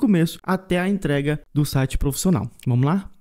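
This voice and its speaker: Against a quiet background, a man with a high pitch and a dark, mellow tone speaks with lively intonation. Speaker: web design instructor; web tutorial creator. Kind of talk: tutorial. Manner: fast. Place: home room. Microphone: studio mic.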